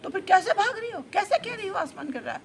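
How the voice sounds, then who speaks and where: A woman voicing a commanding, skeptical male lion king who questions loudly. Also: lively intonation, fast. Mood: demanding. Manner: loud booming questions. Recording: noisy background.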